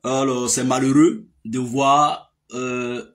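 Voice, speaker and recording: A man's voice: medium pitch, level tone, takes it slowly. A man, giving a casual political monologue with many fillers and emphatic outbursts. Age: 30s. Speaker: political commentator.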